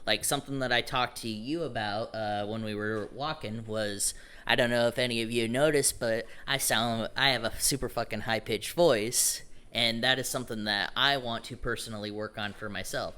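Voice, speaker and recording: A young man with a bright, clear voice talks to a small group in a loose, rambling way. He often restarts his sentences and swears freely. His tone is frank and personal. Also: medium pitch, steady tone, normal speed. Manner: rambling, self-correcting, frank and profane. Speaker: meetup attendee introducing himself. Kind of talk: casual group talk.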